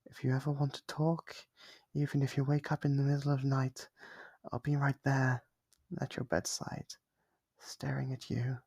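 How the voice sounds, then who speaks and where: A breathy, gravelly demon, acted by a man in an ASMR roleplay, recorded close and dry. He is lonely and clingy, speaking with tender, obsessive devotion and hesitant, coaxing intimacy. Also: mid-range voice, completely flat delivery, normal speed, a little mellow, dry recording. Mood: yearning, coaxing.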